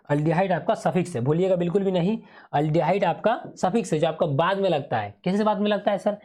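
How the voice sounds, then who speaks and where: A man's voice: a little high, darkish tone. Man teaching, quizzing himself aloud. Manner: asks and answers his own questions, repeats key terms. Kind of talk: exam revision lesson.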